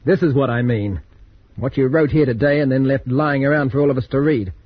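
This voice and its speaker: A man's voice: medium pitch, a little fast, no room sound, natural voice. An actor playing a blunt, confrontational, hot-tempered space crewman in a radio science fiction serial. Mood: accusing. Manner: confrontational, sceptical. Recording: dull, faintly noisy old radio recording.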